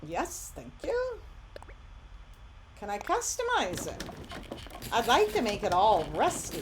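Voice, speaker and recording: Very slow speech with long, frequent pauses and big swings in loudness comes through noticeable background noise and audible room echo. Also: woman. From western Canada. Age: 60s. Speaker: gaming streamer. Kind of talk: gameplay commentary. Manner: animated.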